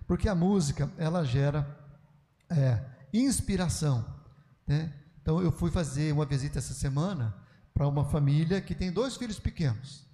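A man's voice: fairly high pitch, normal speed, mellow, big-room sound. An older man with a Brazilian Portuguese accent, a pastor teaching a church class in a conversational, folksy way full of asides.

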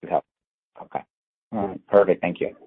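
A man with a husky voice, a financial analyst making brief conversational follow-ups on a call. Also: low-pitched, unhurried. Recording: thin narrowband phone line.

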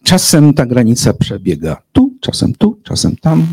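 A man's voice: mid-range voice, huge pitch swings, moderate pace, a little mellow, husky, rough recording. A man who works as a literary translator, answering interview questions in a hesitant, thoughtful way, full of fillers and restarts.

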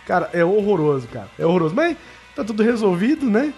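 A man from the interior of São Paulo with a Brazilian Portuguese accent, telling animated, slangy stories on a casual podcast and acting out the dialogue. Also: sits high, fast, over music. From Brazil, interior of São Paulo state.

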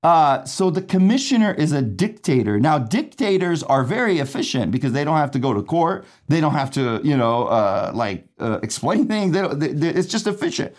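Man, trial attorney, from Iraq; casual rambling legal explainer, voice a bit high. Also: big pitch swings, normal speed, hardly any pauses. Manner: chatty, many fillers and asides, laughs at own jokes.

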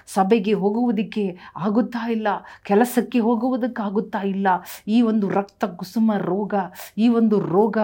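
A woman's voice: medium pitch, mellow. A woman preaching and praying with fervour, repeating phrases and calling out hallelujah as her exhortation rises. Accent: Kannada. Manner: repetitive, rising exhortation with frequent hallelujahs. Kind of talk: fervent sermon and prayer.

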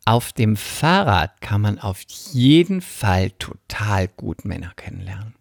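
A man co-hosting a casual comedic chat, telling stories and acting out quotes in a high voice. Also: unhurried, creaky, dry recording, clean studio sound. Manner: animated storyteller, acts out quotes in high voice.

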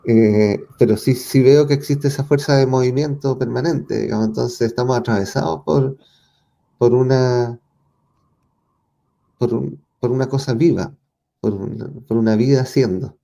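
Chilean guy being interviewed, thinks out loud, lots of restarts, dark gravelly voice. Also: mid-range voice, normal speed. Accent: Chilean Spanish. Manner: thoughtful, searching for words, frequent restarts and fillers. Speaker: interview guest. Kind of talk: reflective conversational interview.

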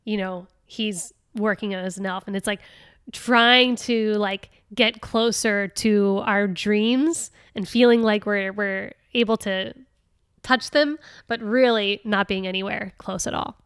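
A woman hosting a casual solo podcast, chatty and laughing often, reading passages aloud with lively expression. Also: medium pitch, slow, smooth, no room sound, clean studio sound. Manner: chatty, laughing often, with many fillers and restarts. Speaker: podcast host.

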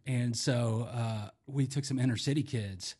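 A man, a podcast co-host and former youth leader, chatting casually in a halting way with many restarts. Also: medium pitch, fairly even intonation, a little mellow, slightly rough. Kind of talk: casual chat.

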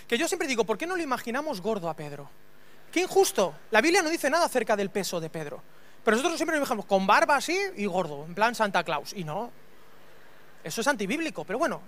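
A man delivers a lively storytelling sermon. His voice sits very high and sounds bright and forceful. He jokes and acts out the scenes as he goes. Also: fast talker. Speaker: preacher.

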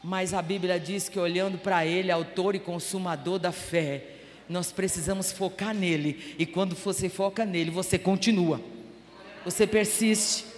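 A woman's voice: on the low side, fairly even intonation, moderate pace. Fervent Brazilian woman preaching in a church. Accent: Brazilian Portuguese. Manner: fervent preaching that swells to loud exclamations. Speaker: missionary preacher. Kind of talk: sermon. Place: church hall. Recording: echoey church hall.

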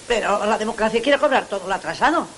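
An actress playing an imperious, teasing elderly countess, in a noisy old film soundtrack. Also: female voice, mid-range voice, lively intonation, fast, natural voice. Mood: bossy. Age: older. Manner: bossy, teasing.

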